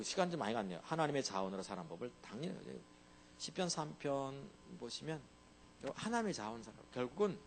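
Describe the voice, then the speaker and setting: A man's voice: mid-range voice, slight background noise. A male pastor preaching a sermon in a conversational way, often asking the congregation to agree with him.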